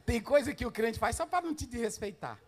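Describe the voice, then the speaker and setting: A pastor preaching to pastors, swinging between loud shouted passages and low asides and firing rhetorical questions at the listeners. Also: male voice, big pitch swings, normal speed. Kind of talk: Pentecostal-style preaching to pastors.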